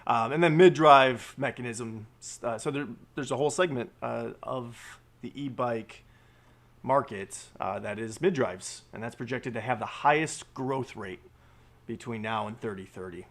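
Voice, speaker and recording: A man's voice: medium pitch, unhurried, fairly bright tone. A man hosting a live stream, reading out and discussing news articles with many fillers and restarts.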